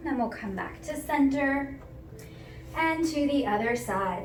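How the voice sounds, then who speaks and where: Talking very slowly in a calm tone, a woman with a high-pitched voice is heard over noticeable background noise and audible room echo. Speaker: yoga instructor. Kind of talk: guided yoga class. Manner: slow, calm.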